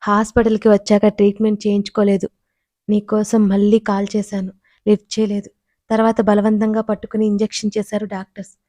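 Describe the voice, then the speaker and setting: A woman's voice: mid-range voice, monotone, brisk, mellow, dry recording, lightly acted. A woman voicing a tearful, worn-out younger sister recounting a hard night. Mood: weary.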